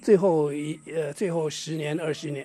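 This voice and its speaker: In a Hakka accent, a man speaks with a fairly high pitch. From Taiwan, Hsinchu (Hakka village). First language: Hakka (speaking Chinese). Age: 80s+. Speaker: retired philosophy professor, guesthouse owner. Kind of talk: interview. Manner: halting, repetitive.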